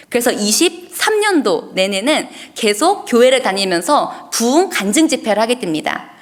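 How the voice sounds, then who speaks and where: A young woman in her twenties gives a heartfelt church testimony as a youth revival speaker, telling her story earnestly. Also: a little high.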